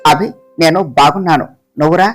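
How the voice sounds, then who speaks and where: The narrator voices an affectionate older sister who chides her brother. The tone sits a little lower, with faint music behind the reading. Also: a little fast, natural voice. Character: warm older sister, mildly scolding.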